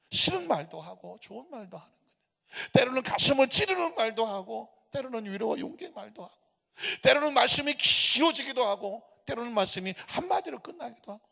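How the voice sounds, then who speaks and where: A high-voiced man preaches a sermon, pitch swinging widely as he throws questions at the congregation. His voice carries a gravelly edge. The sound rings with the long reverb of a church sanctuary. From Seoul. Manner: animated, rhetorical questions to the congregation. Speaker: pastor.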